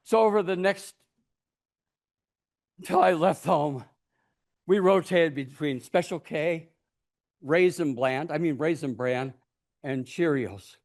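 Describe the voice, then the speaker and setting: A man giving a theatrical storytelling speech in a dramatic, deliberate manner, acting out the characters as he goes. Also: high voice. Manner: dramatic, deliberate delivery with acted-out voices. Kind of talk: theatrical tall-tale speech.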